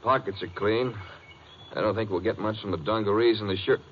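A slightly dull old radio recording with faint noise carries a fairly low American male voice. An actor plays a practical lawman's partner, straightforward and questioning, in a western crime drama. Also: fairly even intonation, brisk, lightly acted. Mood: practical, attentive. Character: practical Texas Ranger partner, plainspoken and questioning. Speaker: supporting actor.

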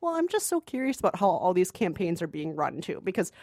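A woman's voice: lowish voice, big pitch swings, fairly quick, darkish tone, no room sound, clean studio sound. A woman co-hosting a movie podcast, chatting casually and conversationally with a wry, joking manner. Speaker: podcast co-host, culture producer. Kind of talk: casual movie review chat.

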